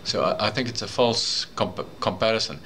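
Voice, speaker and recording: Older South African man, Afrikaans native, very low voice, measured legal answers, noisy indoor camera audio. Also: animated, bright, forceful tone. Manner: measured, thoughtful, deliberate. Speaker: advocate being interviewed. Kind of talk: interview answers. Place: indoor room, seated. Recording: noisy room ambience.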